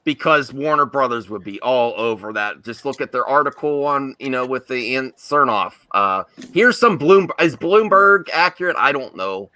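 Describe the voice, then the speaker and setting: A man's voice: mid-range voice, lively intonation, moderate pace, few pauses, bright, forceful tone, no room sound. A man hosting an online fan show in a casual livestream chat style.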